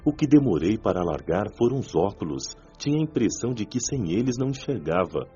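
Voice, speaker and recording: A man's voice: fairly low pitch, very animated, brisk, warm tone, breathy edge, dull audio, faint music behind, heavily acted. An actor playing Oscar, a former smoker's spirit telling his suffering and recovery in a radio drama.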